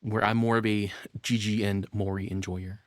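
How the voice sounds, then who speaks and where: A man doing casual live reaction commentary as a streamer, excitable and rambling, swearing freely. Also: on the low side, moderate pace, no room sound, clean studio sound. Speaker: VTuber streamer reacting to videos.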